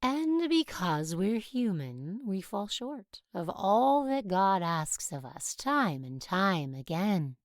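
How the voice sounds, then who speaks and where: A woman playing a stern, controlling Catholic nun who teaches, speaking in a measured, formal way in an audio drama. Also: mid-range voice, very animated, no room sound, studio quality. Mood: softly confiding.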